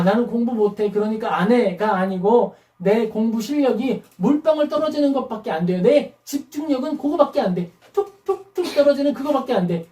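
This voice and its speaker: A woman's voice: a little high, mellow. A woman pastor preaching a sermon emphatically, firing rhetorical questions and acting out quotes. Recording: roomy hall, mic at a distance.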